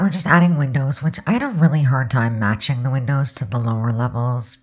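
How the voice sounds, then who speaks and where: A young woman from Canada, chatting casually over a game build video, her voice scratchy and hoarse from a sore throat. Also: a bass voice. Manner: rambling, candid, lots of um and like. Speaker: Sims speed build creator.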